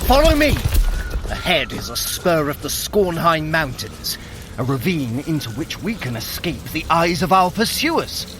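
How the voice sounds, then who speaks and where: A man playing a quick-witted, scheming god in an audio drama, sardonic, urgent and commanding in manner. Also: fairly high pitch, sing-song, background noise. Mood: tense. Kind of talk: audio drama acting for a fitness adventure.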